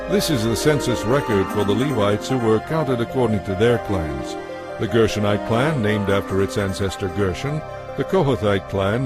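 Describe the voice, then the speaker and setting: A man narrates scripture in a somewhat low voice. His reading is measured and formal, clearly scripted, with music plainly heard behind him.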